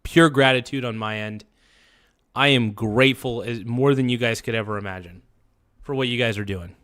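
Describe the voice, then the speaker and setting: A man's voice: medium pitch, moderate pace, a bit bright. A man hosting his own livestream, chatting casually and rambling as he thanks viewers and talks about markets. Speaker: livestream host.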